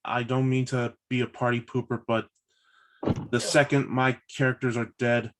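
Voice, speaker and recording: A man in his thirties chatting casually on a video call, halting and often repeating himself. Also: medium pitch, level tone. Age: 30s. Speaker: participant in a virtual table read. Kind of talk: casual chat before a script read.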